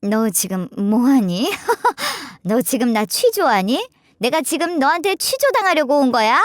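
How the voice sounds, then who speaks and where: A woman's voice: high voice, animated, normal speed, no room sound, studio quality. A woman voicing a scornful, nagging older mother-in-law who scolds sarcastically. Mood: indignant.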